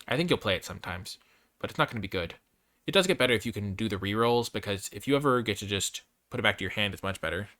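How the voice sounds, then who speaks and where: Male host, casual game review, very lively intonation, bright forceful tone, dry close sound. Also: fairly low pitch, no room sound. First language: English. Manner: opinionated, thinks aloud, hedging and revising his grades. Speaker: host reviewing trading card game cards. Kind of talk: casual off-the-cuff card review commentary.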